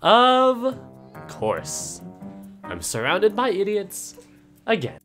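A woman's voice: medium pitch, wildly swooping pitch, extremely slow, full character voice. A woman voicing a bossy, exasperated female unicorn pony with dry, cutting sarcasm in a cartoon parody. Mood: irritated. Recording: music behind.

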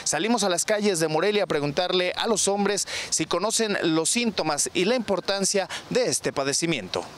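A man's voice: high voice, moderate pace, a bit bright, a little hiss or hum. A man with a Mexican Spanish accent, delivering a formal news report outdoors into a handheld mic. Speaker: field reporter. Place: outdoor street.

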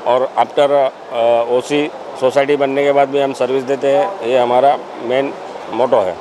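Older man speaking haltingly at an expo. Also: medium pitch, little pitch movement. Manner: halting, with fillers and restarts. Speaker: senior company director. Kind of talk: interview at an expo stall. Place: busy indoor property expo. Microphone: handheld news mic, close. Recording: crowd noise of an expo hall.

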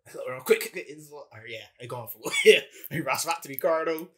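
A man's voice: fairly high pitch, fast, a bit bright. A man co-hosting a podcast, telling a story in casual chat and acting out the people he quotes. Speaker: podcast co-host.

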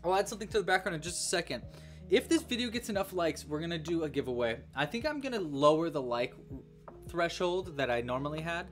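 A man's voice: on the high side, lively intonation, quick pace, faint music behind. A young man hosting a casual livestream crochet tutorial from a home studio. He chats with viewers, thanks donors and counts his stitches aloud as he works.

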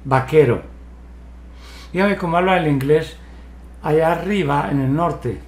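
Speaking a little slowly in a fairly high voice, this man in his sixties leads an online hypnotherapy session over video call from his home study. He lectures and asks pointed, probing questions in a direct way, and the call audio sounds roomy.

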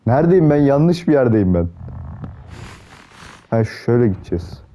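A man's voice: mid-range voice, very animated, moderate pace, warm tone. A young man giving casual gameplay commentary, swearing a lot and panicking in repeated pleas. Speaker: gameplay streamer.

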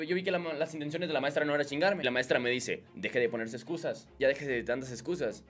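Twenties Mexican man, YouTuber doing casual viewer Q&A; slightly high pitch, easy slang, faint music under. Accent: Mexican Spanish, with a mixed lilt. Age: 20s. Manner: relaxed slangy chat, swings high and loud reading questions, drops low and soft answering. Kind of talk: casual Q&A chat to camera. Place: small home studio room, indoors. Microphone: studio condenser mic on boom arm.

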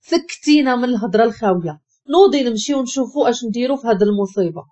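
Brief: harsh, quick-tempered husband, played by a woman storyteller, Moroccan accent, lively rising pitch. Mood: scornful. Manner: curt, shouting commands. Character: harsh angry young husband. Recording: dull lo-fi recording.

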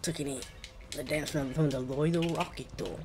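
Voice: mid-range voice, fairly even intonation, moderate pace. African American-accented gamer talking over music. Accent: African American English. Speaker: gaming streamer. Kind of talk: casual gameplay commentary.

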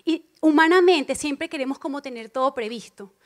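A woman delivers an evening church sermon in a high, light voice. She speaks emphatically, circling back to repeat her key phrases. Now and then she slips into little acted-out voices to make a point. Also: moderate pace. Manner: expressive, acts out inner voices. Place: church congregation.

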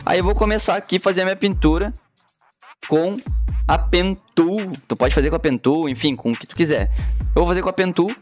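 A man's voice: sits high, a little fast, soft background music. Laid-back gaúcho man, slangy streamer talk. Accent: gaúcho Brazilian Portuguese. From Rio Grande do Sul, Brazil. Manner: slangy and laid-back, constant filler tags. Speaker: graphic designer and streamer. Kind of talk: casual live-stream chat while drawing. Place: home studio room indoors. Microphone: headset.

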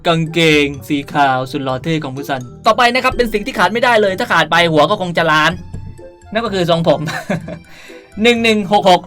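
A woman's voice: mid-range voice, lively intonation, a little fast, fairly bright tone. A woman hosting a casual game tutorial in a playful, chatty way with cutesy sentence endings. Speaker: gaming video host. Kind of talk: casual game tutorial commentary, reading out item codes. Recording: music under the voice. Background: background music.

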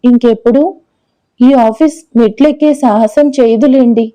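A woman's voice: fairly high pitch, moderate pace, dark tone, lightly acted, poor audio. Woman voicing a haughty, scornful office boss lady. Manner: scornful, commanding. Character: haughty rude young woman office manager.

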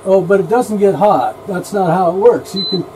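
A man's voice: sits high, normal speed, a little mellow, a little hiss or hum, rough recording. An older man in his sixties hosting a casual cooking demo in a motor home kitchen, chatty and joking as he shows off a cooktop. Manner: joking, chatty, reads out a manual. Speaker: channel host. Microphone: camera mic from across the room.

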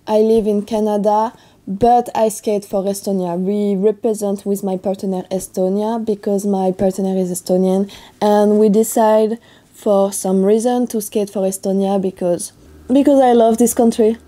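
A young woman from France speaking English with a French accent, chatting casually in her vlog with a hoarse morning voice. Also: mid-range voice, fairly even intonation, normal speed, warm tone. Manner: chatty, upbeat, loose non-native phrasing. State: hoarse from just waking up. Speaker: athlete vlogger.

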